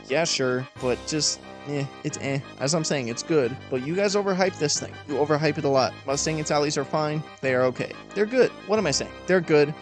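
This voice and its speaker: A young man giving emphatic, profane weapon-ranking commentary, his throat tired and a little raspy. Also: a little high. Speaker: gaming video host. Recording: voice-over with loud music behind.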